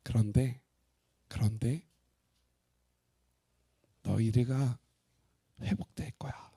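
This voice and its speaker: A man voicing God in a sermon, speaking in a low, hushed, matter-of-fact way. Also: unhurried, no room sound, clean studio sound, close to an everyday voice. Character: God, speaking calmly and bluntly.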